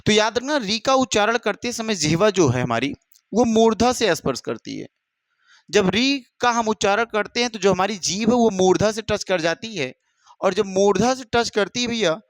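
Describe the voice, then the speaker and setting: High-voiced man dictating a lesson. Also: big pitch swings, dry recording. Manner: repetitive, dictating notes slowly; addresses students as brother. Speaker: teacher. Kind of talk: exam-prep lesson.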